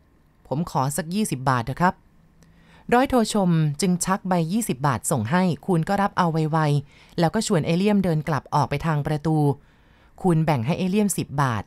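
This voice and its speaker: A woman reads a novel aloud in a calm, even way. Her voice sits fairly low. The recording is close and dry, with no room sound. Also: fairly quick, no echo. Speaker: audiobook reader.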